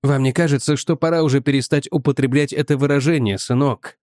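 A man voicing a weary, calm old male professor in an audiobook, low and unhurried. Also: no room sound, clean studio sound, lightly acted. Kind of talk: audiobook character voice.

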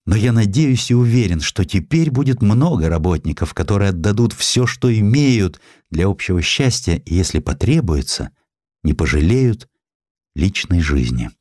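A man reads as a dying young student, earnest and resolute. The voice is low and solemn, with measured declamation in a dry audiobook recording. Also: sing-song, darkish tone, no room sound.

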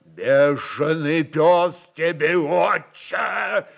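A man voicing a hot-tempered old metropolitan, indignant and denouncing with a shout in an audio story. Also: a little high, extremely slow, vocal fry, pitched above the performer's own voice, heavily acted. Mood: outraged.

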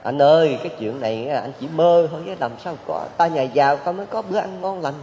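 A man's voice: on the high side, quick pace, mellow, slight background noise, close to an everyday voice. A man voicing a loyal city man who begs a rich master on his friend's behalf. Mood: earnest. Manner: earnest, beseeching. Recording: dull hall recording with long reverb.

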